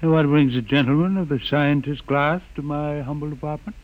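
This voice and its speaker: An actor playing an old man who keeps the legend of the ship, reciting it slowly in a 1950s radio drama. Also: on the high side, steady tone, lightly acted. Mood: gruff. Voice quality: slow, chanting delivery. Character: old male keeper of the ship's legend, solemn. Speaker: John the Witness. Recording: tinny 1950s radio broadcast with music.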